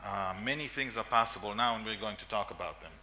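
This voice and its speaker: A forties-aged man with an Israeli accent gives an emphatic talk at a conference in a meeting room, with frequent coughs, fillers and repeated lists. His lowish voice comes out quick, pushed and bright, over a little hiss or hum.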